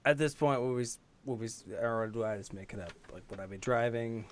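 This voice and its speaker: Wry, folksy man improvising role-play, mid-pitched. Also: brisk. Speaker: tabletop game player on a podcast.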